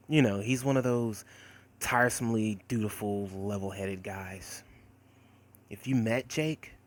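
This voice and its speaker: A man voicing a sarcastic, wisecracking teenage boy who narrates in a wry, conversational monologue with dramatic pauses. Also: fairly low pitch, a bit bright. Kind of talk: first-person character monologue, voice acting demo.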